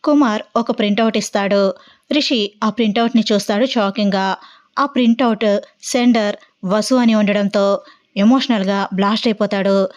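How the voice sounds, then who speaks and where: A woman narrating an audio story in a steady, plain reading voice. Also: medium pitch, normal speed, highs cut off.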